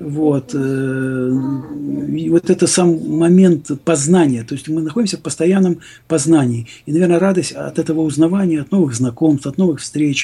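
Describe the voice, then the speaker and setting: A somewhat breathy man's voice, fairly high in pitch with ordinary variation, at a fairly slow pace. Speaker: musician. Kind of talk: casual chat. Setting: studio. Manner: halting.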